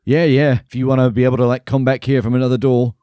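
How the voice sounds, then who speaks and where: Tavern keeper, fantasy tabletop game, played by a man: friendly, folksy, hearty, mid-pitched, dry sound. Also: little pitch movement, fast talker, warm tone, clean tone, no room sound, close to an everyday voice. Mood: hearty, welcoming. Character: friendly, easygoing tavern keeper of a magical pub. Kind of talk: in-character tabletop role-play.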